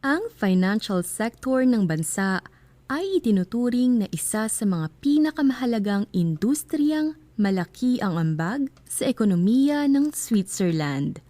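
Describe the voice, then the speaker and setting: A woman's voice: on the high side, big pitch swings, a little slow, warm tone, dry recording. A woman with a Filipino accent reading scripted explainer narration as a voice-over, in a conversational way that poses questions to the listener.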